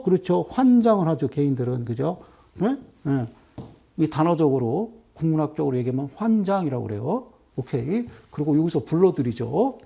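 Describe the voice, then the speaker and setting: A middle-aged man lecturing viewers over a stock chart, animated and full of rhetorical questions and sudden exclamations. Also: sits high, gravelly.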